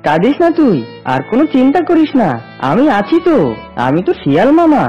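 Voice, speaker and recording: A sly cartoon fox uncle, voiced by a woman, with a fairly high, very animated delivery. The character is a scheming predator who plays the caring relative. The sound is slightly dull, with music behind. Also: a little fast. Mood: wheedling, falsely kind. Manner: wheedling sweet talk turning to threats. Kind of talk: children's cartoon voice acting.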